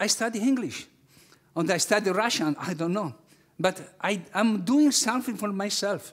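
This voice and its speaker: With a strong Italian accent, this man talks at a moderate pace in an animated tone, his pitch high with ordinary variation. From Italy. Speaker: basketball coach. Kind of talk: webinar Q&A talk. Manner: halting, many fillers and repeats.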